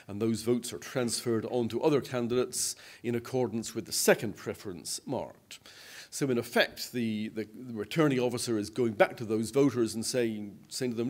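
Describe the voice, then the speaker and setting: An older man presents to a seated convention audience in a hotel conference room. He explains in a measured, patient way, often restarting a phrase before carrying on. His voice sits at an ordinary middle pitch for a man. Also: a little mellow.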